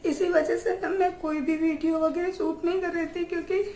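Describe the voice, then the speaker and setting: A woman's voice: very high-pitched, little pitch movement, brisk, dark tone, echoey room, a little hiss or hum. A woman talking to her viewers in a casual home vlog, in an emotional, heartfelt way. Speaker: vlogger and mother.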